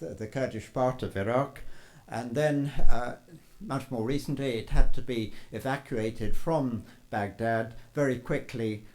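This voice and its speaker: A man's voice: medium pitch, darkish tone. An older man giving an academic conference talk, hesitant, with many ums and uhs. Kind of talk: academic lecture.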